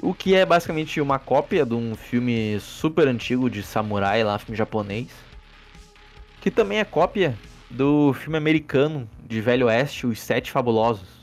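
A Brazilian man hosting a podcast in a sarcastic, rambling way, swearing freely and restarting his sentences. His voice sits in the middle range. Soft background music plays under him. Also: medium pitch, lively intonation, moderate pace. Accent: Brazilian Portuguese. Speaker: podcast host. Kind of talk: casual podcast movie review. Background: faint background music.

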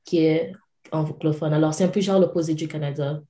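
A woman's voice: deep voice, fairly even intonation, fairly quick, warm tone, roomy sound. A young woman from Cameroon, a podcast guest talking casually and mixing English words into her French. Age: young adult. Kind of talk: casual interview conversation.

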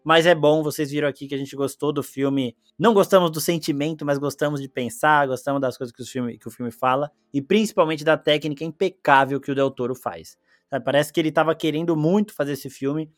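A young Brazilian man reviews a film on a podcast, animated and full of slang. He talks fast in a somewhat high voice. The recording is dry and close. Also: no room sound. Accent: Brazilian Portuguese. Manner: animated, slangy, exclaims often. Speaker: podcast host. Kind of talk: casual film review chat.

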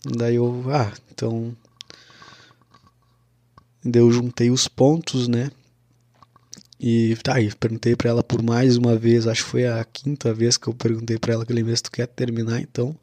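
A man's voice: mid-range voice, flat delivery, normal speed, long pauses, warm tone, dry recording. A young man tells a personal story in a casual, confessional way. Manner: casual, confessional, with frequent "cara" and "né".

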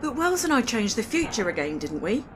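An actress playing a feisty young rebel granddaughter in a comedy audio drama, blunt and indignant. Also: female voice, a little high, sing-song, a little fast, background noise.

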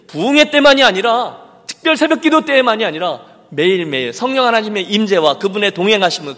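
A man's voice: high voice, a bit bright. A man preaching a Sunday sermon as senior pastor, emphatic and speaking straight to the congregation. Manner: emphatic, keeps addressing the congregation directly. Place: church sanctuary. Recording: long reverb of a large hall.

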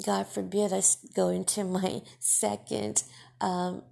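Woman, podcast host, Farsi first language, very slow, gravelly, husky, emphatic monologue. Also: mid-range voice, little pitch movement, warm tone. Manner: deliberate, emphatic, scolding. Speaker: podcast host and radio broadcaster.

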